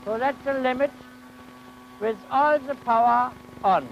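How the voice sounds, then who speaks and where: Guy doing a science demo, real slow and halting, old 1950s film sound with some noise. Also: very high voice, vocal fry, highs cut off. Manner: halting, deliberate phrasing with rhetorical questions. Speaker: science lecturer and demonstrator. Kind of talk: educational film demonstration. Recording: noisy 1950 educational film soundtrack.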